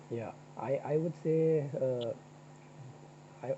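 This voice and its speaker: A man's voice: a little high, warm tone. A young man from Pakistan, a university student, chatting casually and joking with his partner as he asks questions. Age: young adult. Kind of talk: casual paired discussion. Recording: dull lo-fi sound with clear insect noise.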